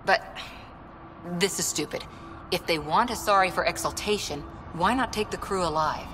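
A woman's voice: on the low side, normal speed, noisy background, close to an everyday voice. A woman playing a determined soldier lieutenant. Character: tough female military lieutenant, driven and loyal. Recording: game audio with soft music behind.

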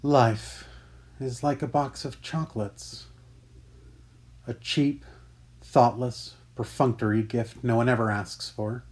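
A man's voice: fairly even intonation, takes it slowly, long pauses, darkish tone, lightly acted. A man playing a jaded, cynical middle-aged conspirator in a weary, sardonic dramatic monologue. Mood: weary bitterness. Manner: weary, sardonic, low-key. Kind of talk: dramatic monologue for voice-over demo.

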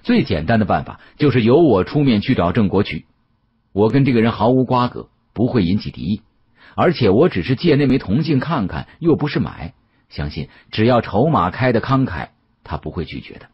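A man narrates an audiobook as a conversational first-person storyteller. His low voice is very husky and moves with animated intonation. The recording sounds somewhat dull. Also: a little fast. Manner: conversational, with colloquial sentence-ending particles.

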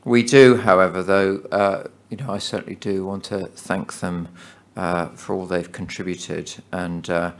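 A man's voice: low voice, fairly even intonation, unhurried, hardly any pauses. A man chairing a charity's annual meeting, speaking formally with many hesitant fillers. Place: meeting hall.

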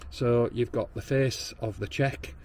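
A plumber and backflow tester with a Northern English accent gives a hands-on plumbing training demo at a workshop bench, explaining each step with frequent ums and restarts. His mid-range voice is darkish, with fairly even intonation and a slightly slow pace, over slight background noise.

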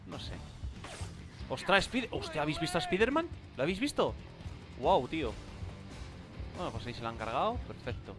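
A man with a Spain Spanish accent giving casual gameplay commentary, rambling with fillers and bursting into loud exclamations. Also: fairly high pitch, very animated, fairly quick, pauses often. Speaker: gaming channel host. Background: game music.

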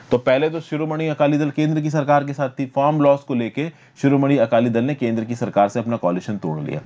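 A man's voice: mid-range voice, a little mellow. A man with an Indian accent giving a conversational, explanatory current affairs lecture as a teacher, posing questions and answering them. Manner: conversational, explanatory, mixing Hindi with English terms. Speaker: online exam-prep teacher. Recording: dull, lo-fi voice recording.

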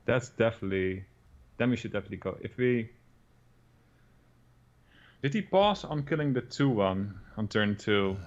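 A young Dutch man with a Dutch accent, talking through a card game as a guest co-player, thinking aloud with quick restarts. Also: fairly low pitch, animated, highs cut off. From Netherlands. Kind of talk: casual game commentary.

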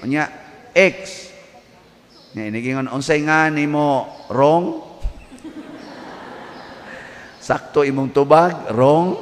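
A man with a Cebuano accent, a priest giving a humorous homily, telling jokes in an animated storyteller's way. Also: a little high. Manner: joking storyteller, animated asides. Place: large church. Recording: distant voice with long hall reverb, faint background noise.

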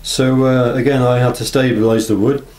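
A man's voice: mid-range voice, fairly even intonation, moderate pace, darkish tone, poor audio. A man giving a casual, unscripted workshop show-and-tell, speaking hesitantly and with understatement. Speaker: knife maker presenting work. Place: small block-walled workshop. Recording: camera audio with clear background noise.

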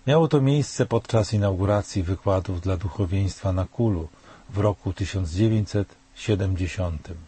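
Older male commentator, dark and husky, measured and solemn delivery. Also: low voice. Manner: measured, grave, rhetorical questions. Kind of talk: scripted spoken commentary.

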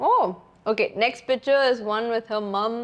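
A woman's voice: fairly high pitch, animated, brisk. A woman in her twenties with a South Indian accent, hosting a casual chat in informal, slangy speech. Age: 20s. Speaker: podcast host. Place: small furnished room indoors.

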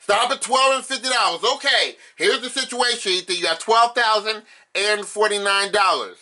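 A man hosts a game show in the manner of a booming prize announcer. His voice is high and very bright, projected as he calls out scores and prizes, with music behind him. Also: normal speed.

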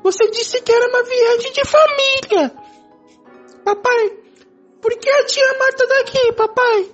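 A woman's voice: very high-pitched, steady tone, measured pace. A woman voicing a bewildered, whiny young child in an amateur radio drama, plaintive and repetitive. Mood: bewildered, whining. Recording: dull lo-fi audio with music.

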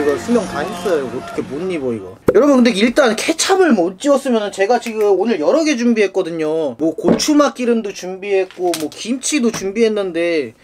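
A young man giving casual, animated hands-on product testing commentary, thinking aloud as a review host. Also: high voice, brisk, few pauses, background noise. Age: young adult. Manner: animated, conversational, thinking aloud while working. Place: small room indoors, seated at a table.

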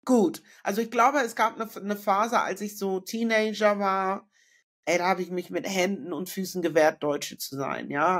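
A middle-aged woman from northern Germany speaks as an interview guest, thinking aloud in a loose, reflective way. She often pauses, adds fillers and restarts her sentences. She is heard over a video call from a room indoors. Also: fairly low pitch. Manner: reflective, frequent fillers and self-corrections. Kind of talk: casual conversational interview.

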